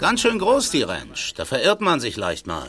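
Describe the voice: Putting on a character voice, a man speaks at a moderate pace and medium pitch, his fairly bright tone carrying a slightly husky edge as his pitch swings very widely.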